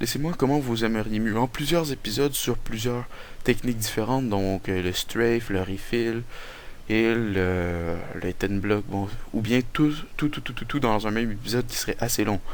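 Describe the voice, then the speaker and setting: Fairly slow speech from a man at medium pitch with ordinary pitch variation, plus noticeable background noise and audible room echo. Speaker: gaming youtuber. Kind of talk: gameplay commentary. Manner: halting.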